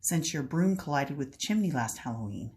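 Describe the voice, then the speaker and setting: A woman's voice: sits low, animated, fairly quick, darkish tone. A woman voicing a cheerful teenage girl witch while reading a comic book aloud.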